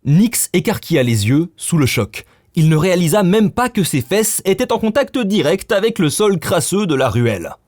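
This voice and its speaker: A man's voice: high voice, big pitch swings, normal speed, darkish tone. A man reading scripted, dramatic story narration as the narrator.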